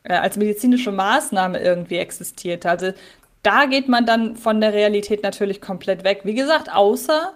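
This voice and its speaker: A woman's voice: medium pitch, animated, moderate pace. A woman co-hosting a podcast in casual chat, thoughtful and often restarting her sentences. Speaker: podcast co-host.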